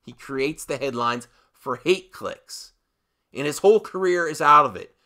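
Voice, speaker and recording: A man hosting an opinionated movie commentary, with a very bright, forceful voice pitched a little high. He speaks slowly and emphatically, breaking his points up with dramatic pauses and repeating phrases to drive them in. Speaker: host of a movie commentary channel. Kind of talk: opinionated video commentary rant.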